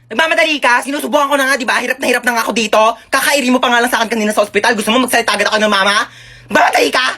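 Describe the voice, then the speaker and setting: A woman's voice: a little high, bright, forceful tone. A woman playing a sassy talking newborn baby. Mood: sarcastic. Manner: sarcastic, rapid complaining.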